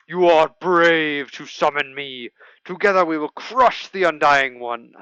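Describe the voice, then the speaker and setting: In a put-on character voice with a rumbling quality and middle pitch, the speaker goes at a fairly slow pace over a quiet background. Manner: commanding, ominous but friendly.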